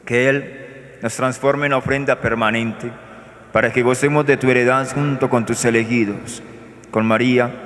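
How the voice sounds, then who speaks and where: Give me a priest, speaking in a monotone as he prays through the Mass in a reverberant church. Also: mid-range voice. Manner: measured, solemn liturgical recitation. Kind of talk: celebrating Mass, praying aloud. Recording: echoey church with long reverb.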